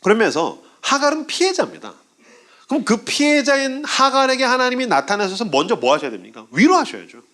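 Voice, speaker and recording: Animated Korean pastor preaching. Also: male voice, very high-pitched, a little fast. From South Korea. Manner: animated storytelling, acts out voices of people in his examples. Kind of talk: sermon.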